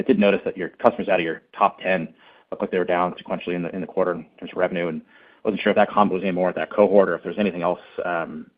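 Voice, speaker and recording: A man working as a financial analyst, politely asking questions on an earnings call. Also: low voice. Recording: phone-like narrow band call.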